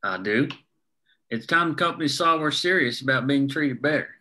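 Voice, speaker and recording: Man playing a bright, resolute coal miner. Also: mid-range voice, animated, moderate pace. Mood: firm, rallying. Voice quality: folksy rural working-class diction. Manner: plain-spoken, persuasive. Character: earnest, resolute male coal miner rallying fellow workers. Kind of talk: table-read acting.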